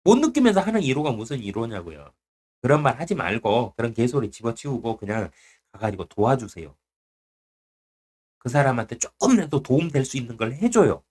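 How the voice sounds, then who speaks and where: A man's voice: mid-range voice, sing-song, brisk, darkish tone. A male preacher giving a Bible teaching sermon in a blunt, colloquial and emphatic way, often putting questions to his listeners. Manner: asks the audience questions.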